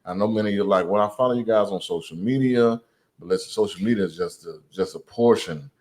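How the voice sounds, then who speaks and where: A man's voice: lowish voice, fast, darkish tone. A man co-hosting a podcast in casual chat, easygoing, laughing often and repeating his phrases. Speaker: podcast co-host.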